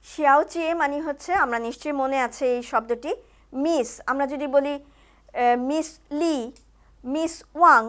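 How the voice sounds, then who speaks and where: A woman hosting a television language lesson, explaining each sentence clearly to viewers. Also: sits high, unhurried, fairly bright tone. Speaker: TV talk show host.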